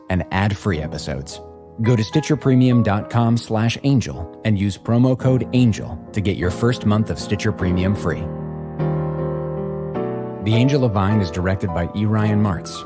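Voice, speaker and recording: An actor playing an earnest investigative podcast host, delivering scripted narration. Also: male voice, on the low side, lightly acted. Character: earnest, driven male investigative true-crime podcast host. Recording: music under the voice.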